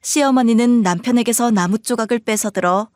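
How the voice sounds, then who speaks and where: A woman narrating a scripted family story in a steady storytelling manner. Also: a little high, brisk, no echo, clean studio sound.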